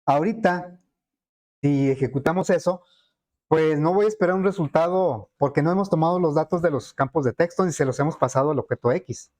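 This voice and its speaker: A man walks students through code in a screen-recorded lesson. His voice sits a little high for a man, and he thinks aloud, pausing on fillers and checking in with his class as he goes. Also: a little mellow. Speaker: programming teacher.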